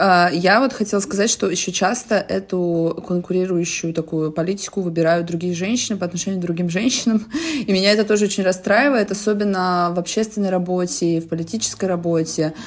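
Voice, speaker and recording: A woman at a medium pitch and fairly quick pace, with fairly even intonation and noticeable background noise. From Russia, Kaliningrad. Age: 30s. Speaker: podcast co-host, feminist organization co-founder. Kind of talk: casual chat. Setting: in person, together in Antwerp.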